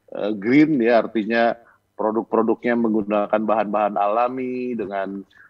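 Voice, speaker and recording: Moderate in pace, this man keeps his intonation fairly even. His pitch sits at a medium level. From Jakarta, Indonesia (Sundanese family). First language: Sundanese (speaking Indonesian). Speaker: ambassador. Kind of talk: casual interview.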